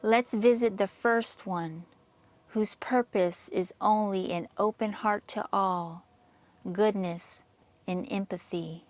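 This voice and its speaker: A woman reading a scripted guided meditation in a measured, soothing manner with long pauses. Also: medium pitch, fairly even intonation.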